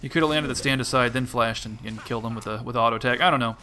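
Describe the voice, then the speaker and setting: A man casting a video game match live, giving joking, quick play-by-play. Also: medium pitch, a crowd in the background. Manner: fast, bright, joking play-by-play. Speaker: esports caster.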